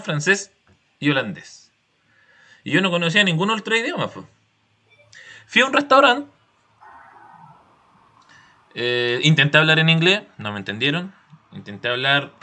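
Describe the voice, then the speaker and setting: A man's voice: on the high side, pushed and bright. A man with a Chilean accent teaching a class, explaining step by step with examples and frequent check-in questions.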